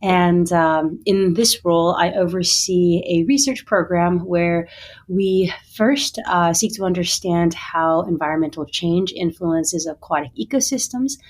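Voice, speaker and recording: Low-pitched woman scientist introducing herself. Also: measured pace. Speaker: associate professor, guest. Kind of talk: interview self-introduction.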